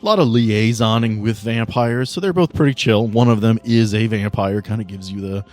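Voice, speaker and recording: Narrating as game master for a tabletop RPG podcast, a man speaks at normal speed in a voice on the low side, a little mellow. He improvises in an informal, sweary style with hesitant phrasing.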